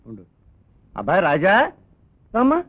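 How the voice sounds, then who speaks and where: A man in a film scene, teasing and full of wordplay, giving lines in quick comic dialogue. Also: high-pitched, wildly swooping pitch, creaky. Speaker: scheming elderly guardian in a comedy film. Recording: dull lo-fi film audio with music.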